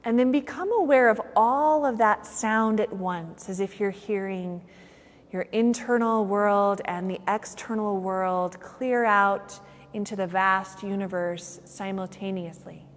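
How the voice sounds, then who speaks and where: Female yoga instructor for guided relaxation, slow-paced with long pauses, heard in a long, hall-like reverb. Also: medium pitch. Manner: unhurried phrasing with long pauses. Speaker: yoga teacher. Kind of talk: guided meditation.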